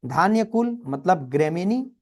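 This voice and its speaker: A man, teaching a brisk exam revision lesson and calling his students children. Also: high-pitched, lively intonation.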